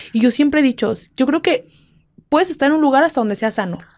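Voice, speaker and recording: Background sound is quiet here. The woman's pitch rises and falls in an ordinary way. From Mexico, Guadalajara; Jalisco, Mexico. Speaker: YouTube host. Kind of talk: interview. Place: studio. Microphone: studio mic.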